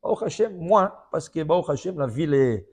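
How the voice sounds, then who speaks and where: A high-voiced man preaching as a rabbi. He tells stories with animated swings of pitch and loudness, repeats phrases for emphasis and keeps checking that his listeners follow. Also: a little fast, breathy edge. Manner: animated storytelling with many repetitions; often checks in with "ok?". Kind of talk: sermon.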